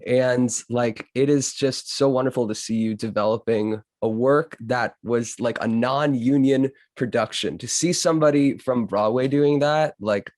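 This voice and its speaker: A man hosting a podcast in casual conversation, gushing and halting, with lots of filler words. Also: medium pitch, a little mellow, no echo. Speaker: podcast host. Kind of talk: casual interview chat.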